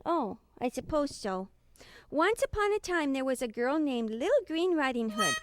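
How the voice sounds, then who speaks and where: High, muddled, childish puppet storyteller. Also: female voice, very animated, normal speed. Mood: cheerful. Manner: dithering, easygoing, exaggerated puppet-show delivery. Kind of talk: children's puppet show acting.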